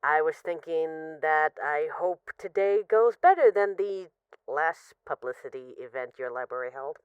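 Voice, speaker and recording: A woman's voice: deep voice, measured pace, clean tone, dry recording, muffled recording. A woman playing an affectionate, wry mafia boss who misses her partner, rambling hesitantly through intimate voicemails in an audio roleplay. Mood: wistful, apologetic. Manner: hesitant, sighing, wry, conversational.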